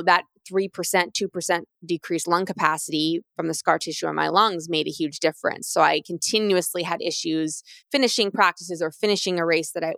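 A woman in her thirties, a retired athlete, telling her story candidly and earnestly, often restarting phrases and turning lively when she quotes others. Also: low-pitched, no echo.

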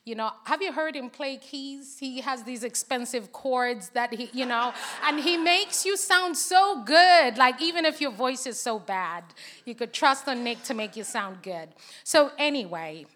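Bright chatty woman from Zambia. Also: sits high, a little slow, slight background noise. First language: not English. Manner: chatty, laughing, audience banter. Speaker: conference speaker. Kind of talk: sermon with casual asides. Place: large conference hall.

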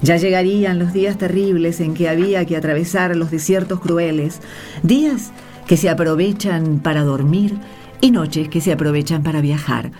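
A woman's voice: on the low side, moderate pace, dark tone, lightly acted. A woman with an Argentine accent playing an emotional narrator remembering a journey of faith in a radio play. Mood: reflective. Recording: music under the voice.

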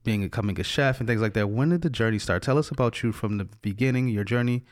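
A man's voice: medium pitch, fast talker, no echo, studio quality. A man hosting an interview podcast, asking questions casually and encouraging his guest with frequent murmurs of agreement. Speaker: podcast host.

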